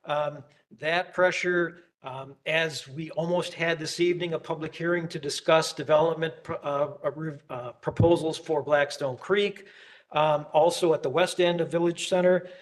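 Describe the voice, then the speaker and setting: A man who is losing his voice gives a staff presentation at a public planning meeting, halting and full of ums and uhs. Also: on the high side, fairly even intonation. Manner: halting, filler-heavy, with many ums and uhs.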